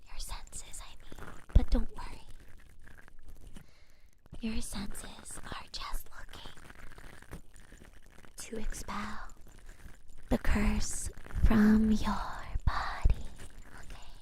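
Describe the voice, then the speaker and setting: A woman voicing a gentle, slightly scatterbrained witch healer in an ASMR roleplay, whispering softly and reassuringly. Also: medium pitch, flat delivery, extremely slow, pauses often, low-quality recording. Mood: soothing. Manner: soft, reassuring whisper with small giggles.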